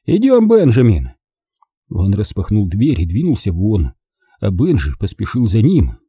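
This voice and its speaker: A man narrating an audiobook with a lively, rising and falling delivery. His voice is very dark and husky, and the recording is close and dry. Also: on the low side, normal speed, no echo. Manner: expressive, lively storytelling. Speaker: audiobook reader.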